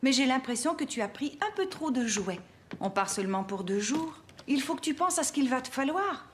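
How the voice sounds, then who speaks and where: A woman's voice: high-pitched, animated, fairly quick, a little hiss or hum. Maman de dessin animé, aiguë et chantante. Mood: patient, caring. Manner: gentle, explanatory. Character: patient, encouraging young mother of a small boy. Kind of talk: children's cartoon dubbing.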